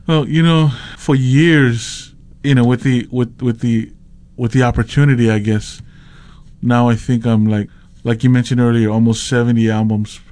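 A man's voice: medium pitch, little pitch movement, normal speed, a little mellow. Storytelling man. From Hawaii. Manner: rambling, with many restarts and laughs. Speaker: slack key guitarist guest. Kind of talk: casual storytelling interview.

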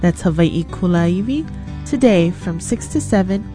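A woman's voice: on the low side, expressive, unhurried. A woman radio DJ reading an inviting promo for her show. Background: guitar music.

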